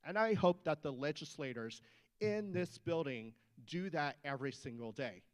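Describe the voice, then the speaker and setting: Emphatic, slightly high-voiced male doctor. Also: animated, moderate pace, clear, resonant tone. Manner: emphatic, exhorting the audience. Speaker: physician speaker. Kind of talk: rally speech. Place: state capitol building.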